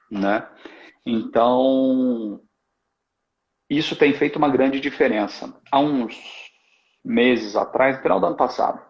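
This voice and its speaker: A man's voice: medium pitch, creaky. A Brazilian man in his forties chatting on a live video call, telling stories in a reflective way. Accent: Brazilian Portuguese. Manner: reflective storytelling, many tag questions. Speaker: host. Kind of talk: casual live-stream chat. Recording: dull lo-fi live-stream audio.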